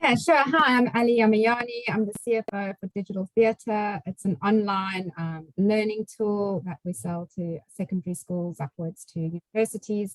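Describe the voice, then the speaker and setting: A woman speaks with a strong South African accent and a somewhat breathy voice, with ordinary pitch variation. She talks with hardly any pauses, and the sound is dry and close with no echo. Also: medium pitch for a woman, moderate pace. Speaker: chief financial officer. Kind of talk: panel introduction.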